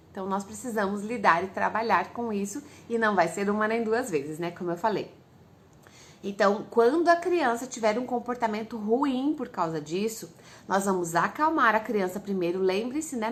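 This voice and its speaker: A woman's voice: medium pitch, fairly bright tone. A woman with a Brazilian Portuguese accent, a parenting educator, explaining things patiently and speaking directly to the parents listening. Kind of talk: casual instructive talk to parents.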